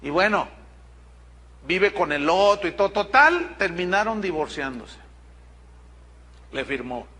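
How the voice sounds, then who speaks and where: Man, Mexican accent, pastor, storytelling sermon, direct and animated, high-pitched, bright tone. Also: unhurried, long pauses.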